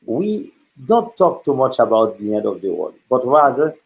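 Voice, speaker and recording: A middle-aged man from Haiti, a Catholic priest speaking earnestly about faith, pausing often and filling gaps with "uh". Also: medium pitch, sing-song, gravelly, poor audio. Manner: earnest, with many pauses and fillers. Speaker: guest speaker. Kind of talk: reflective talk on faith.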